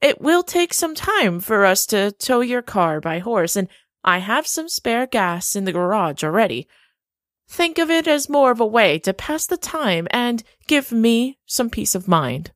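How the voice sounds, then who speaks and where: An actress playing a gracious, slightly secretive woman host in an audio drama, speaking slowly and courteously. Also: a little high, sing-song, no echo, clean studio sound.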